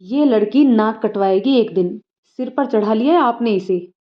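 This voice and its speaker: A woman's voice: a little high, normal speed, close to an everyday voice. A woman voicing a worried, scolding village mother, on slightly dull audio. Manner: scolding, fretful.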